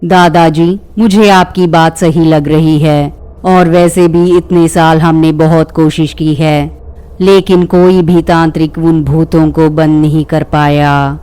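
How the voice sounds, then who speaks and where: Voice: mid-range voice, little pitch movement, slow pace, a little mellow, smooth, lightly acted. Narrator as a worried village headman. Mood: earnest.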